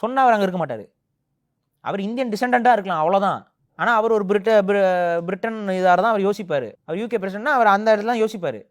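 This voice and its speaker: A man's voice: high voice, expressive, quick pace. A man giving a heated opinion in an interview, speaking with indignant force that keeps rising into emphatic outbursts.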